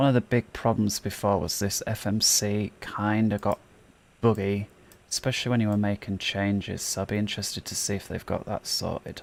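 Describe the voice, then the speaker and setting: Quiet and mumbling, a man with a fairly low pitch speaks at a fairly quick pace in a flat monotone on a very clean recording with a silent background. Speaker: flight simulator streamer. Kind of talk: live gameplay commentary. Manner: quiet, kept down.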